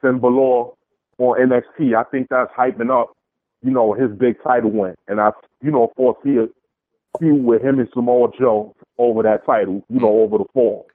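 A man's voice: mid-range voice, steady tone, normal speed, no echo. Brooklyn-accented man on a phone line. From Brooklyn, New York. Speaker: phone-in caller. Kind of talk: casual sports fan chat. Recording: narrow tinny phone line.

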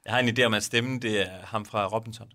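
A man chatting and joking as co-host, tossing in quick comments and laughing. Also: fairly low pitch, fairly even intonation, bright, forceful tone. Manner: joking interjections, giggly. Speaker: podcast co-host. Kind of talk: casual comic banter.

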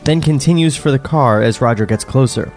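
A man's voice: medium pitch, brisk, darkish tone. Man, co-host, reads stage directions, wry, questioning, faint music. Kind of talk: casual comedic chat and script narration.

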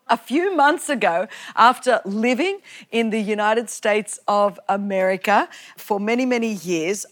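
A middle-aged Australian woman preaches with a slightly high voice. She tells her story in an animated way and laughs often as she talks. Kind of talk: sermon.

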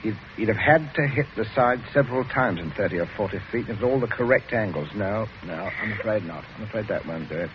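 A man's voice: on the low side, lively intonation, quick pace, few pauses, lightly acted. A man playing an icy, domineering squire father. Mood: cold, calculating. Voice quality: clipped, commanding, icy. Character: cold, domineering country squire father, magistrate. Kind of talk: 1940s radio drama acting. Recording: muffled old radio broadcast with hiss.

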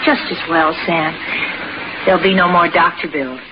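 An actress playing a bedridden, long-suffering wife in a 1940s radio drama, with a gentle, plaintive, wistful delivery. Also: female voice, lowish voice, moderate pace, lightly acted. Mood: resigned. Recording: noisy, dull 1940s radio recording.

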